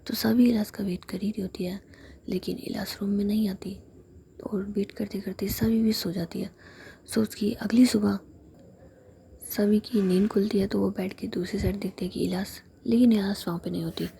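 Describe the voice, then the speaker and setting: A woman retelling a story in a steady, continuous whisper. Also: medium pitch, normal speed, gravelly, slight background noise.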